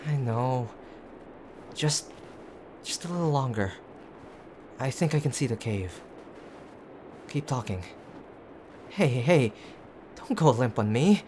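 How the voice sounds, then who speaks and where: Slow-paced, gruff tsundere boyfriend played by a man. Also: mid-range voice, lively intonation. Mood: pleading. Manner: brusque, urgent, halting pleas with swearing. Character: gruff, teasing tsundere boyfriend, frightened and tender underneath. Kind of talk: intimate audio roleplay drama. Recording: clear background ambient noise.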